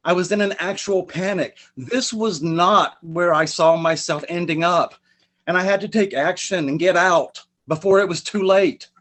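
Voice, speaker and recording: A man performing his own prose poem in a virtual reading over a video call, with a dramatic delivery that swings up and down. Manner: expressive dramatic reading, pitch rises and falls. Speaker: poet reading his work.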